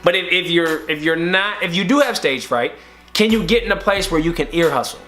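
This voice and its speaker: A young man with a fairly high, bright voice co-hosts a podcast and gives casual dating advice. He talks in a relaxed way, stumbles and repeats words, and slips into little acted-out dialogues. Faint music plays under his voice. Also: brisk. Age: young adult. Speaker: podcast co-host.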